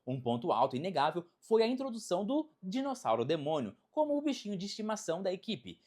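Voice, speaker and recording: A Brazilian narrator delivers a scripted video essay at a medium pitch. The intonation is very animated, rising and falling widely. Phrasing is emphatic and dramatic, built to present and explain. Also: slightly rough.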